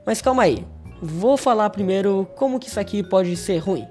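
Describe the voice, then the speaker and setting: The host of a horror review channel, a Brazilian speaker, talks straight to viewers in a casual, conversational video essay. Her or his medium-pitched voice is animated and a little mellow, moving at a moderate pace over faint background music.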